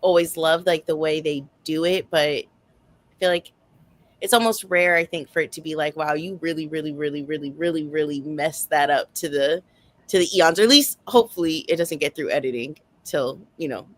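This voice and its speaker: A woman's voice: low-pitched, fairly quick, no echo. A woman chatting casually as a book club panelist, rambling and qualifying her opinions as she goes. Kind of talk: casual chat.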